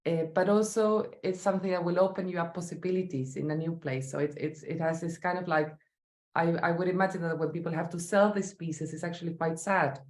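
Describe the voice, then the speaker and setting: A woman from Chile with a Chilean Spanish accent, speaking as a sculptor in an interview, thoughtful and halting with many fillers. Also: on the low side, fairly even intonation, a little mellow. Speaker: sculptor guest. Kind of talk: interview answers. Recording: roomy echo.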